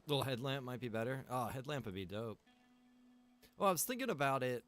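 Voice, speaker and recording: A man's voice: mid-range voice, a little fast, soft background music. A man streaming a survival game, chatting casually and rambling to his viewers while he plays. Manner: relaxed, rambling, greets chat viewers by name.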